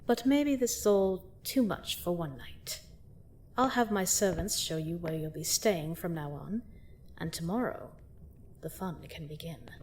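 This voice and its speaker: A woman's voice: lowish voice, unhurried, darkish tone, slight background noise, lightly acted. A woman playing a seductive, gloating vampire queen in a fantasy audio drama, theatrical and mock-sweet as she menacingly toys with her captive. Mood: soft threat. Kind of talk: scripted roleplay audio drama monologue.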